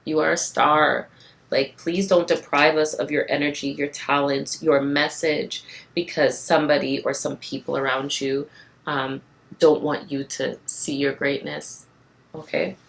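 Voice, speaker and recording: Woman, low gravelly voice, tired rasp; passionate, encouraging tarot reader talking to camera. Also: level tone, measured pace. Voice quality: raspy from tiredness. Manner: passionate, encouraging, repeats phrases for emphasis. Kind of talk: casual spiritual card reading to camera.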